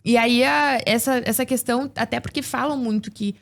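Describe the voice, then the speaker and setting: A woman's voice: fairly high pitch, steady tone, normal speed, creaky. A woman speaking as a guest agricultural producer, explaining things in a casual podcast chat and often tagging sentences with questions. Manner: explanatory, frequent tag questions.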